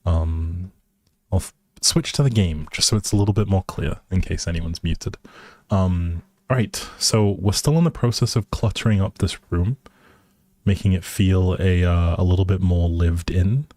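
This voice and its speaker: A man's voice: sits low, fairly even intonation, moderate pace, a little mellow, no echo. A man casually chatting with viewers as he hosts a game stream, easygoing and rambling in a hesitant way. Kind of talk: casual chat with viewers while gaming.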